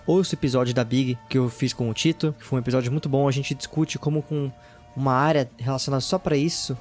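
A young Brazilian man hosting a gaming podcast, talking casually and with excitement, full of slang. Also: mid-range voice. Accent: Brazilian Portuguese. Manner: excited, slangy, gushing about games. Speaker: podcast host. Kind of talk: casual gaming podcast talk with on-site recordings.

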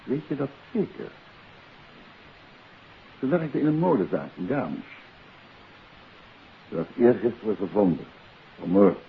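A man's voice: lowish voice, sing-song, unhurried, vocal fry, pauses often, heavily acted. A man playing a confident author-detective in a 1950s radio play, coaxing and insistent as he questions. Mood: probing. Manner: urbane, persistent, adds questioning tags. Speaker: radio drama lead actor. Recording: hissy, muffled 1950s radio recording.

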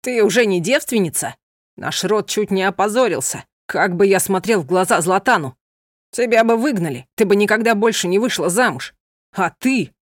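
A woman's voice: deep voice, normal speed, no room sound, clean studio sound, voice pushed down, natural voice. A woman voicing a proud, stern young gypsy man who speaks coldly and curtly. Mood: angry. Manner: cold, curt and commanding.

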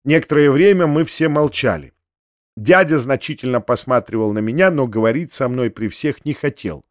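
A man reading a classic novel aloud in steady, expressive scripted narration. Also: mid-range voice, moderate pace, no echo, clean studio sound. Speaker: audiobook narrator.

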